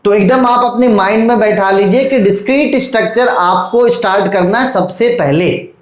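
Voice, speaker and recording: Male online tutor, high voice, fatherly and coaxing, roomy echo. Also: moderate pace. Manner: coaxing, fatherly, calls students "beta"; repeats checks like "theek hai" and "dekho". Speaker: teacher. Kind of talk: online lecture to students.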